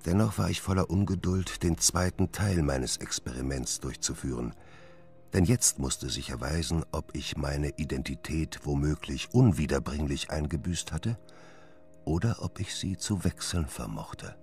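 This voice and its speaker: Very deep, gravelly, sinister doctor. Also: male voice, expressive, moderate pace, a little mellow, soft background music. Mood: brooding, confessional. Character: brooding Victorian doctor with a sinister second self. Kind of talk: German radio play acting and narration.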